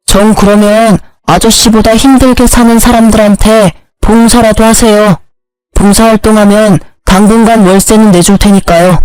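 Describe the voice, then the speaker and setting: A woman's voice: medium pitch, fairly even intonation, moderate pace, darkish tone, clean tone, no echo, faint music behind, close to an everyday voice, poor audio. Brief: woman voicing a clever young son, cold and mockingly polite, dry audio story.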